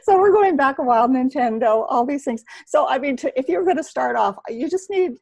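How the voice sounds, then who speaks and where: Woman participant, higher pitch, gravelly husky tone, dry sound, curious questioner. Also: animated, fairly quick, darkish tone, no echo. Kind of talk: casual video call discussion.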